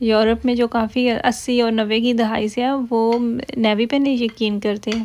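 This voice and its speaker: A woman talks at a fairly high pitch with monotone, flat intonation. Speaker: lifestyle vlogger. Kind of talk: vlog voice-over. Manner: lazy, weak-sounding; casual, chatty.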